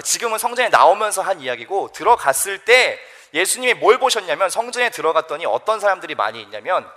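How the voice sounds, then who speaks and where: Lively young man preaching to teens. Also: high-pitched. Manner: lively storytelling, asks the listeners questions. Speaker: youth pastor. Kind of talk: sermon to teenagers.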